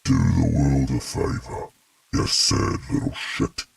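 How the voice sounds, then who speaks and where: A man voicing a cruel, mocking male demon with a harsh, raspy, gravelly voice. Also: rumbling low, far from the mic, exaggerated voice. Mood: taunting. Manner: taunting, slow and contemptuous.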